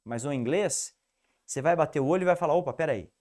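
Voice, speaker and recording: A male English teacher with a Piracicaba accent, giving an animated, didactic video lesson and repeating the rules for the student. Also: fairly high pitch, fast talker. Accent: Piracicaba interior São Paulo, rolled R.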